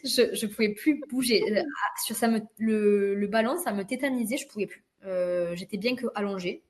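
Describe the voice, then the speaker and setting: A woman in her twenties, a podcast guest, telling a personal story in a vivid, expressive way with quick asides. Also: mid-range voice. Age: 20s. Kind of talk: casual conversational storytelling.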